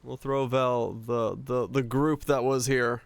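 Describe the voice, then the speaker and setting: A man's voice: medium pitch, little pitch movement, slow, gravelly. A man livestreaming over a headset mic, chatting in a laid-back way with frequent laughs and trailing fillers. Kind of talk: casual gameplay chat.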